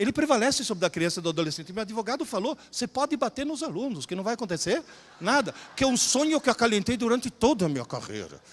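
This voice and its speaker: Animated in tone, a man speaks at a very fast pace with an extremely high pitch and very wide pitch swings. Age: 60s. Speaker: professor. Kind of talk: lecture.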